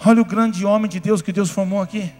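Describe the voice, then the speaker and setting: A Brazilian man, a pastor, preaching a sermon, telling stories in a chatty way that builds to fervent shouting. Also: sits high, steady tone, fairly quick. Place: church hall. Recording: reverberant church hall, faint music behind.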